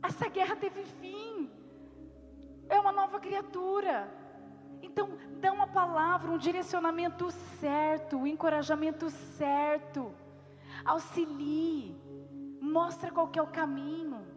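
A woman preacher delivering a sermon in an earnest manner, slowing down to stress single words. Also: very high voice, fairly even intonation, long reverb tail, soft background music. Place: church.

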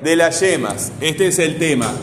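A man's voice: fairly high pitch, animated, unhurried, crowd noise. Man teaching in an echoey classroom. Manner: quizzes pupils, tags lines with a questioning "right?". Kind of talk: classroom lesson. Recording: echoey room with long reverb, faint noise.

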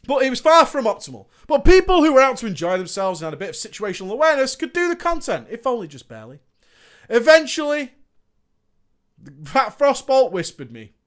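Animated, high-voiced man. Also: brisk. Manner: animated, sarcastic asides, laughs often. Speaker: story reader. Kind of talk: comic reading of a gaming story with asides.

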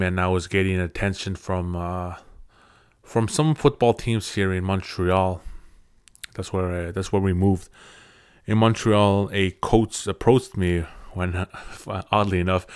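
A man in his thirties whose first language is Cree, hosting a podcast and telling a personal story in a casual, halting way, often restarting his phrases. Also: low voice, smooth, dry recording, studio quality. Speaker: podcast host.

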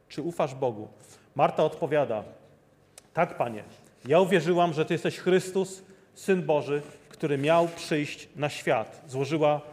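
A man delivers a sermon, pressing his listeners with the same rhetorical questions again and again. His voice sits a little high for a man. It rings with the long reverb of a large hall. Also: a little mellow. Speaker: preacher.

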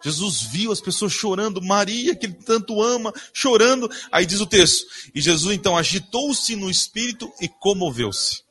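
A man's voice: high-pitched, expressive, moderate pace, few pauses, sharp tone, slightly rough. A man preaching a sermon, reading Bible verses aloud and questioning his congregation in a church. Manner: asks the congregation questions and answers them himself.

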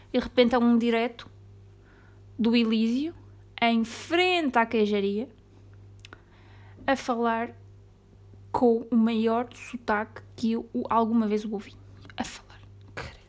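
Portuguese woman w slight beira accent ranting on her podcast, kinda high voice, goes loud then whispery. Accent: European Portuguese, slight Beira. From Mangualde, Portugal. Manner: chatty ranting, jumps between loud bursts and near-whispers. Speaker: podcast host. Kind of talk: casual solo podcast chat.

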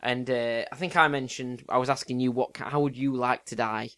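A man co-hosting a podcast in casual chat, gently teasing and feeling his way through sentences. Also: mid-range voice, fairly even intonation, brisk, clear, resonant tone. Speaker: podcast co-host.

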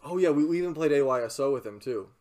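A man's voice: mid-range voice, animated, quick pace, mellow. Young man, casual podcast co-host, laughs often. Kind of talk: casual chat among friends.

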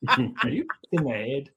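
A man's voice: fairly high pitch, creaky, pushed and bright, slight background noise. A man on a panel, an actor telling easygoing stories from a film shoot with frequent chuckles. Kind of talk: anecdotal panel storytelling.

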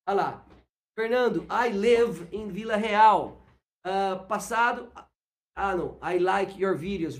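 A man with a Brazilian Portuguese accent teaching English on a live stream, chatting with viewers by name and modeling slow English phrases. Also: high-pitched.

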